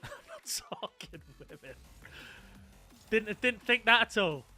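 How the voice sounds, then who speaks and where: A man's voice: high voice, animated, slow pace, sharp tone, faint music behind. A young man chatting casually on a live stream, swearing freely and reacting to his viewers. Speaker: gaming streamer.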